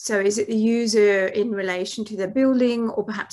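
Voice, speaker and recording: The speaker is a woman. Her accent is Australian. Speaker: professor leading a workshop session. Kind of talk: academic seminar facilitation. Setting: video call.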